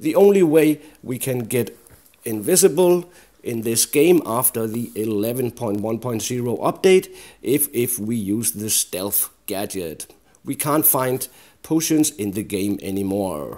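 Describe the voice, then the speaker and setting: In a Danish accent, a man speaks at a fairly slow pace and a medium pitch. His tone is dark and mellow, with very wide pitch swings. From Denmark. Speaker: gaming YouTuber. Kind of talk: game commentary.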